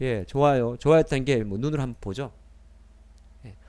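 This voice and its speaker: The recording is very clean, and its background is silent. A man is the one talking. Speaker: stock market educator. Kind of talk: market commentary lecture. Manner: fast; clear articulation.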